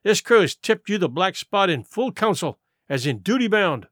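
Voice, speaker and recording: Man voicing a surly, accusing pirate mutineer, high-pitched. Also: big pitch swings, normal speed, a bit bright, dry recording, clean studio sound. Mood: challenging. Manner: blunt, accusing, rustic nautical dialect. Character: tall, surly, yellow-eyed mutinous pirate challenger. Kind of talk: audiobook character acting.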